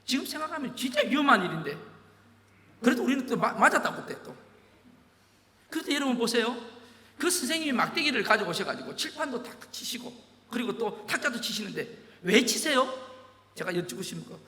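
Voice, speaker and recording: A man's voice: extremely high pitch, fairly quick, pauses often. A man preaching a sermon as pastor, telling stories and firing rhetorical questions at the congregation. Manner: animated storytelling with rhetorical questions. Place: large church sanctuary. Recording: echoey church hall.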